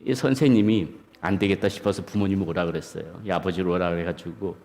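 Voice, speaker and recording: A male pastor preaching a sermon in a church, telling humorous stories in an unhurried way. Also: low voice, darkish tone. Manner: storytelling with humorous anecdotes, unhurried. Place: church sanctuary. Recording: long church-hall reverb.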